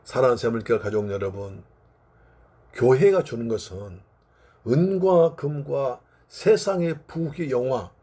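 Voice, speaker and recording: A male pastor preaches a Sunday sermon fervently, hammering the same phrases again and again. His voice is gravelly and husky, fairly high, with a dark, mellow tone.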